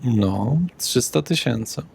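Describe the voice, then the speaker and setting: A man's voice: mid-range voice, slow, creaky, a little mellow, husky, heavily acted. A man playing a casual, streetwise dealer in a vampire underworld tabletop game, with curt colloquial speech. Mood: businesslike.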